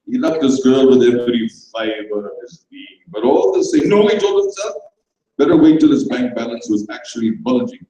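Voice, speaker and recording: A man's voice: mid-range voice, lively intonation, moderate pace, mellow, highs cut off. A man narrating a comic short story expressively in a dramatized stage reading, recorded from a distance in an echoey hall. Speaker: reader.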